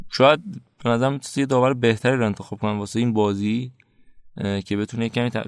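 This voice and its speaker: At a very fast pace, a man with a medium pitch speaks in fairly even intonation over a quiet background. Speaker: football podcast co-host. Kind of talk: casual chat.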